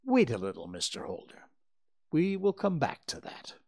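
A man reading aloud, voicing a calm, shrewd male detective who asks precise questions. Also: on the high side, moderate pace, vocal fry, voice pushed up, heavily acted. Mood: probing.

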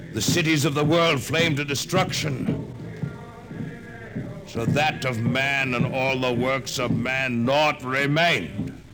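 An actor playing a solemn reader of apocalyptic scripture in a 1950s radio drama, portentous and measured, on a vintage recording. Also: male voice, mid-range voice, close to an everyday voice. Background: music.

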